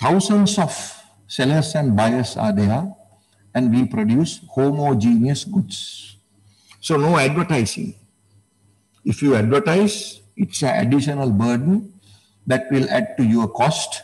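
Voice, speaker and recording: A man speaks somewhat breathily at a fairly slow pace and fairly high pitch, with very wide pitch swings and very even loudness. Long, frequent pauses break up his speech over a quiet background. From Sri Lanka. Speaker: senior economics professor. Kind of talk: ceremonial speech. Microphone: video call.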